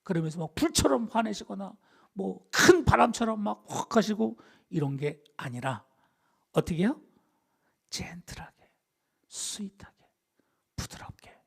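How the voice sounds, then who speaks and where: Animated pastor preaching with hushed whispers. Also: male voice, sits high, moderate pace, gravelly, slightly rough. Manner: animated, dips into dramatic whispers; asks the congregation questions and answers them. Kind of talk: sermon.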